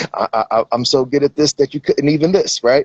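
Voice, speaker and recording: A man with a New York accent at a very fast pace. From New York City, the Bronx. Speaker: rapper and beat maker. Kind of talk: casual chat. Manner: halting.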